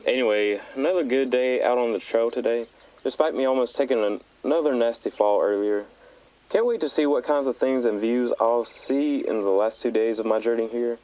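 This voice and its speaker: An actor playing a young male hiker who records a calm, matter-of-fact tape diary on the trail in an audio drama. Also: mid-range voice, brisk, clear, resonant tone, natural voice, low-quality recording. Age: young adult. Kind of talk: found-footage audio drama.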